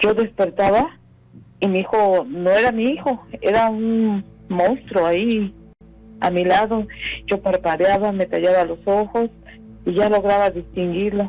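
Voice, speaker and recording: A woman's medium-pitched voice at a fairly slow pace, with fairly even intonation, very even loudness, long, frequent pauses, and music in the background. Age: 60s. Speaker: caller. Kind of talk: personal testimony.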